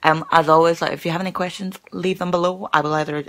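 Young woman host who stammers, chatty and full of fillers, bright gravelly tone, phone-recorded in a small room. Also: fairly low pitch, fairly even intonation, fast. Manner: stammers, with many fillers and repeated words. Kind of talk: casual live-stream chat. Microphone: phone held at arm's length.

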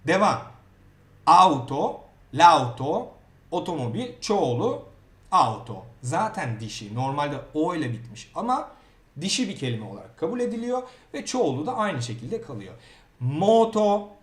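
A Turkish-speaking man teaching grammar in a lively way, often checking in with the learner. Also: fairly high pitch, normal speed, reverberant. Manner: lively, repeats words and asks "okey?". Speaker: Italian teacher. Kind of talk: grammar lesson.

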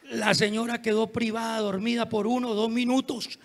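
A man's voice: extremely high pitch, level tone, moderate pace. A male pastor preaching an evangelistic sermon, telling a story with fervent, dramatic delivery.

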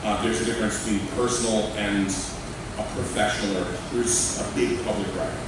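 A man's voice: on the low side, steady tone, brisk. A man moderating a live panel on a stage, speaking into a handheld mic in a rambling, friendly, self-deprecating way. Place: stage in a large auditorium. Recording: echoey hall, distant mic, noisy.

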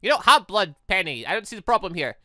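A gaming host with a bright, forceful voice and very lively pitch. The commentary rambles and breaks off into exclamations, recorded close and dry. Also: fast talker, dry recording. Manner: exclamatory, rambling, self-interrupting. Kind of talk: playthrough commentary with read-aloud dialogue.

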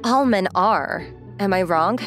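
A woman's voice: medium pitch, slow pace, a bit bright, soft background music. A woman voicing a proud, blunt young rich woman in a manga dub, self-assured, matter-of-fact and teasing. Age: young adult.

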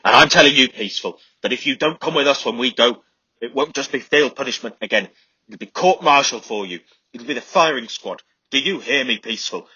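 A man voicing a bullying army sergeant who shouts and rants orders at his men. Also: deep voice, little pitch movement, very fast, hardly any pauses, no echo. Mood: threatening. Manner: shouting, ranting. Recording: slightly dull lo-fi recording.

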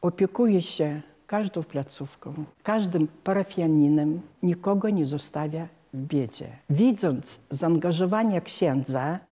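A woman in her sixties speaks as a parish guide. Her voice is low for a woman and quite dark. She delivers a prepared account with formal earnestness. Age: 60s. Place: inside a wooden church.

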